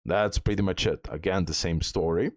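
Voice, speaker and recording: Low-voiced man giving game commentary. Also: fairly even intonation, moderate pace, dry recording, clean studio sound. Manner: repeats phrases for emphasis. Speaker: gaming guide creator. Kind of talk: casual game walkthrough commentary.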